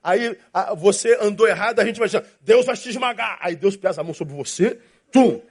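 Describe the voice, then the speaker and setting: Animated pastor from Rio. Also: male voice, sits high, fairly quick. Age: 50s. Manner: animated and jokey, acting out little voices. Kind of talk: preaching a sermon.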